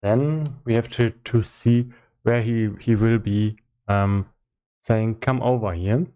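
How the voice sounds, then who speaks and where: A man giving casual live-stream commentary as he works on a game, thinking aloud in a halting way with repeated words. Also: lowish voice, fairly even intonation, mellow, clear, resonant tone. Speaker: solo game developer streaming.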